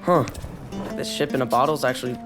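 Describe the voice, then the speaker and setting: A man's voice: medium pitch, fairly even intonation, brisk, over music, close to an everyday voice. An actor playing a stubborn teenage boy in an audio drama, earnest and protesting. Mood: curious.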